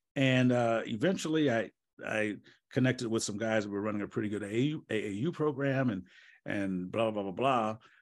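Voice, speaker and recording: Against a quiet background, a man with an unremarkable speaking voice and an American accent talks at a moderate pace in a medium pitch with ordinary pitch variation. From US Midwest (Wisconsin). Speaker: motivational speaker and basketball coach. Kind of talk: interview storytelling.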